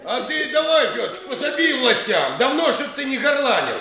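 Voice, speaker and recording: A jeering village peasant. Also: male voice, very high-pitched, big pitch swings, moderate pace, pushed and bright, heavily acted. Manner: jeering, teasing. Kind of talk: radio play acting.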